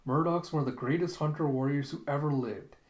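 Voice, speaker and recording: A man's voice: a little high, a little fast, lightly acted. A man acting a chatty bartender with a plain, deferential, conversational manner. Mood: admiring. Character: chatty bartender, admiring and apologetic.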